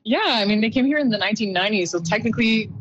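Young woman, from Montreal, musician guest, relaxed, lots of fillers, medium pitch. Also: rapid-fire, lo-fi sound, a little hiss or hum. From Canada, Montreal. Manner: relaxed, laughs easily, many fillers. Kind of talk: casual interview. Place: outdoor festival, in a small shelter.

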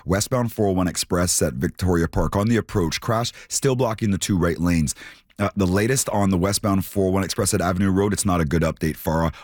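Man, traffic reporter, very deep voice, dry studio, brisk and breezy. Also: a little mellow, no room sound.

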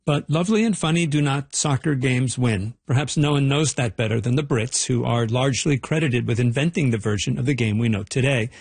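A male radio reporter with a gravelly, husky voice delivers his feature with wry, playful narration. The sound is close and dry, with no room around him. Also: medium pitch, brisk, few pauses, a little mellow, no room sound.

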